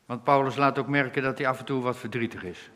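A man preaching a sermon, earnestly explaining Bible verses and slowing down when he quotes scripture. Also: medium pitch, fairly even intonation, fairly bright tone, long reverb tail.

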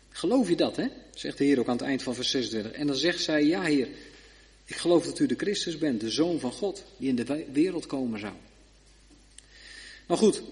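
A man giving a Bible study sermon, reading scripture aloud slowly and checking in with short tag questions. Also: a little high. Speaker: preacher. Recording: long reverb of a hall.

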